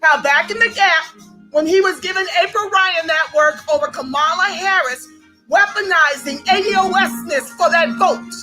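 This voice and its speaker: Very high, bright-voiced woman host. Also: moderate pace, faint music behind, low-quality recording. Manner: animated, rallying, addresses listeners as family. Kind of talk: online commentary show.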